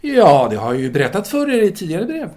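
An actor playing a courteous, restless philosophy teacher of the 1930s in an audio drama, speaking formally with hesitant pauses. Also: male voice, high-pitched, wildly swooping pitch, a little mellow. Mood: longing, reflective. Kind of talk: audio drama dialogue, intimate phone conversation.

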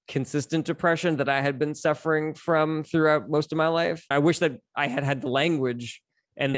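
A man's voice: medium pitch, no echo. American guy in his 40s, podcast guest telling stories casually, articulate, really dry sound. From Los Angeles, United States. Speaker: podcast guest, stand-up comedian. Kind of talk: casual conversational storytelling.

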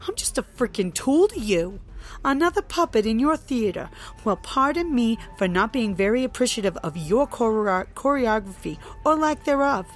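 A woman's voice: lowish voice, a little slow. A woman voicing Trixie, a bitter young woman who is sullen and scornful toward her father. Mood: furious. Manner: sullen, then sharp and scornful.

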